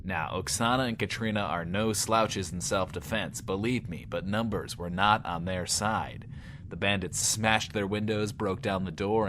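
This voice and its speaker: An actor playing a swaggering but insecure host of a post-apocalyptic bunker radio show, talking in a pompous, wordy, theatrical way. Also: male voice, lowish voice, a bit bright, a little hiss or hum. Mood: newsy, dramatic. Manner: pompous, wordy, theatrical, talks of himself in third person. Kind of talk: in-world radio show monologue, audio drama.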